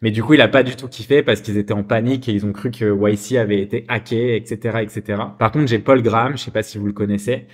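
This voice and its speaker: A man's voice: lowish voice, steady tone, quick pace, few pauses. Chatty French man telling stories. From France. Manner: chatty, many fillers, shifts voice to quote people. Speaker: entrepreneur telling his failures. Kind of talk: casual storytelling monologue.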